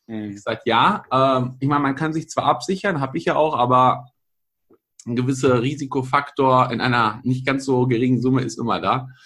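With a medium pitch and ordinary pitch variation, a man delivers his words at a moderate pace. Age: 30s. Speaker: former pro cyclist, network marketer. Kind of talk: casual interview. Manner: hesitant, many fillers.

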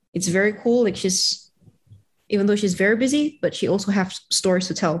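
Against a quiet background, a woman talks at a moderate pace. Her voice is somewhat breathy. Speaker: former podcast host, guest host. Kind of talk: casual solo chat and conversation.

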